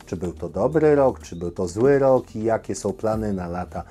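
A man hosting an informal news commentary, speaking directly to viewers in halting, opinionated phrases with pauses. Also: on the low side, animated, mellow, breathy edge. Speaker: host of a camping news show.

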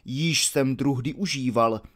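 A man reading as a measured elder Roman orator. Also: medium pitch, natural voice. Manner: deliberate, instructive delivery of long archaic sentences. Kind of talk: audiobook reading of a classical dialogue.

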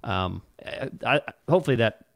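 Male podcast co-host, thirties, medium pitch, dry close-mic sound, casual explainer. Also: lively intonation, moderate pace, creaky, dry recording. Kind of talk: conversational explanation with examples. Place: home room, indoors. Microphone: podcast mic on boom arm, close.

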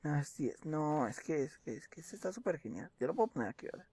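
A man's voice: a little high, sing-song, fast, warm tone, breathy edge. A young man, commenting on a game as he plays, muttering and reading documents aloud with joking asides. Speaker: gaming video host. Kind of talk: gameplay commentary.

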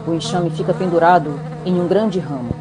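A woman's voice: fairly low pitch, moderate pace, very noisy, close to an everyday voice. A woman with a Brazilian accent reading scripted narration for an epic audio drama.

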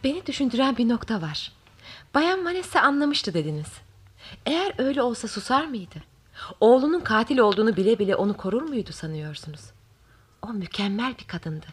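A husky, doubting mystery heroine. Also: female voice, on the high side, big pitch swings, fairly quick, soft background music. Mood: doubtful. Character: doubtful, questioning woman entangled in a murder mystery. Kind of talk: radio theatre mystery acting.

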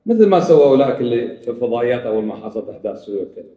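A man's voice: mid-range voice, sing-song, rapid-fire, dull audio. A man giving a scolding religious lecture, asking rhetorical questions and mocking opposing arguments. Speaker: preacher. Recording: echoey room, speaker far from mic.

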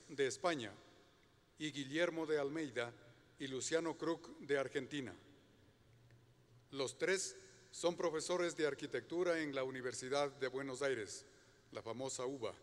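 Formal man reading an introduction. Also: medium pitch. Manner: formal and measured, reading a prepared text. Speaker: university presenter introducing the speakers. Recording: long hall reverb.

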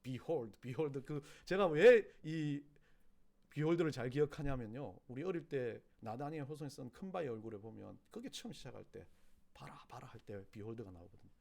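Animated Gyeongsang pastor preaching. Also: male voice, moderate pace, creaky. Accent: Gyeongsang Korean. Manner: animated, swings from loud emphatic cries to hushed low asides. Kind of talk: sermon.

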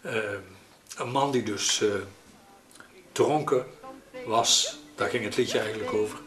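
Interviewed in his living room, an elderly Dutch man reminisces about growing up, halting and pausing as he talks conversationally. He has a lowish, slightly bright voice, and the recording carries a roomy echo and faint background noise.

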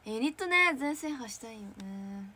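A bubbly woman with a slightly high voice chats casually on her fan livestream. She reads viewer comments, giggles a lot and keeps things light. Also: lively intonation, moderate pace, sharp tone, husky. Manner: bubbly, chatty, frequent giggles. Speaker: idol trainee hosting a fan livestream.

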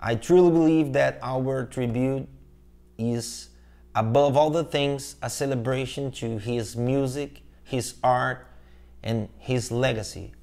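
A young Brazilian man talks straight to the camera in English, his Portuguese accent clear in every phrase. He speaks earnestly and a little haltingly, stopping often for fillers and restarts, at a middling pitch. He sounds like he is at a desk in a room indoors. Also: darkish tone. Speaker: channel host, tribute performer. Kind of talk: scripted direct-to-camera introduction. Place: indoor room with shelves of collectible figures.

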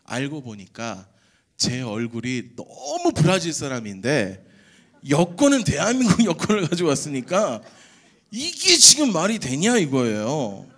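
A young man giving an animated testimony at a church prayer service, telling his story with jokes and acted-out voices. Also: a little high, a little slow.

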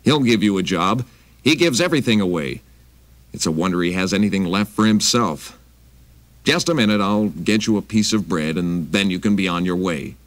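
A man voicing a stingy, grumpy big woman who scolds in a raised, loud, curt voice. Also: low-pitched, expressive, normal speed, no echo. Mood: scolding.

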